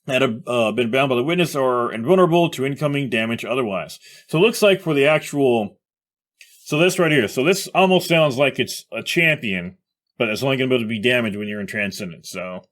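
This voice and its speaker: A man with a medium-pitched voice delivers casual commentary on a game. He moves between reading aloud and offering rambling, off-the-cuff reactions, working through his thoughts as he speaks. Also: a bit bright. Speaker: gaming commentator.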